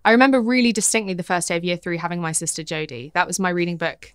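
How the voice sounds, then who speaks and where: A woman in her twenties from the English Midlands, brisk and upbeat as an interviewee. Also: on the low side, clear, resonant tone, no echo, studio quality. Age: 20s. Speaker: interviewee, literature graduate.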